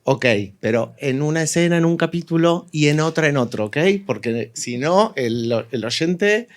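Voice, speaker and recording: A man's voice: on the high side, lively intonation, moderate pace. A man with an Argentine accent speaking as a panelist in an unscripted discussion, explaining and thinking aloud. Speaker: audio fiction writer, panelist.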